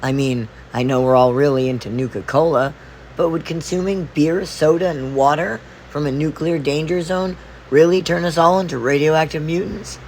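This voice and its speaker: A man with a raised, gravelly voice that has gone hoarse from losing it hosts an explainer vlog. He tells the story in an animated, playful way, leaning into the big reveals. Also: on the high side, moderate pace, a little hiss or hum. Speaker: video host.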